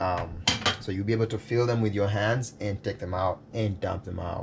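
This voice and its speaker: At a moderate pace, a man with a non-native accent speaks at a fairly low pitch, his intonation fairly even. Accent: non-native, noticeable. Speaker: home cook. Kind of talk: casual cooking tutorial to camera.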